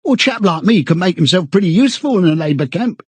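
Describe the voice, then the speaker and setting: A man's voice: on the high side, sing-song, normal speed, darkish tone, breathy edge, no echo, voice pushed up. A man voicing a frightened, servile, middle-aged party loyalist in an audiobook, stammering and eagerly chummy. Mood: anxious, pleading. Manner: stammering, chummy old-fashioned British chap talk, sententious.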